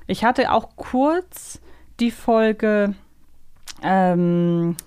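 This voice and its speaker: A woman with a medium-pitched voice co-hosts a podcast. She talks casually, in an unscripted quiz chat, working through her thoughts out loud. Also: very slow, smooth. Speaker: podcast co-host.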